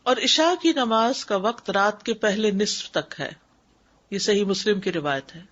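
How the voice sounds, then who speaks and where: A woman's voice: medium pitch, fairly bright tone. Woman teacher explaining prayer, lo-fi recording. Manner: explanatory, emphatic, repeats key points. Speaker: Islamic studies teacher. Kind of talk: lecture on prayer. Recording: dull lo-fi recording.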